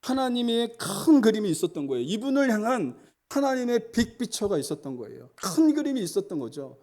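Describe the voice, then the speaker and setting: Emphatic high-pitched male pastor preaching. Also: sing-song, brisk, a little mellow. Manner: emphatic, repetitive, addressing the congregation directly. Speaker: senior pastor. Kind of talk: sermon.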